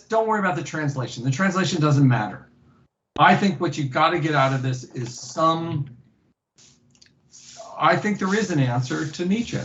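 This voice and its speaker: A man chatting casually about philosophy in a talkative, teasing way, relaxed after a drink, heard on muffled, roomy lo-fi audio. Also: medium pitch, gravelly. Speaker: discussion partner.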